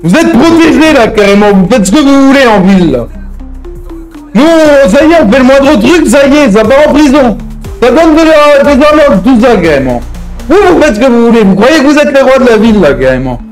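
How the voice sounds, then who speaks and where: Hot-headed game-roleplay gangster played by a man, high-pitched, slangy, bossy and threatening, repeating his verbal tics. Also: very animated, fairly quick, soft background music, rough recording. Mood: angry, menacing. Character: hot-headed male gang member threatening hostages. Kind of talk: improvised roleplay in an online crime game.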